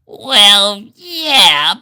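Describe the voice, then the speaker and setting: A man's voice: high-pitched, very animated, drawn-out words, sharp tone, smooth, voice pushed up, full character voice. A man voicing a touchy, defensive young colt pony in a storybook reading, with an indignant, boyish, slangy delivery. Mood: wary, scoffing.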